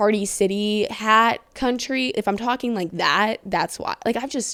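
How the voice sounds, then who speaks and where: At a fairly slow pace, a woman speaks in a fairly high pitch with a bright, sharp tone and ordinary pitch variation. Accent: slight Southern US. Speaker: podcast host. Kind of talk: casual solo podcast monologue.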